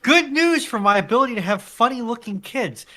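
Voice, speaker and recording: A man in a casual panel discussion, explaining things in a halting, measured way. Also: extremely high pitch, lively intonation, pushed and bright.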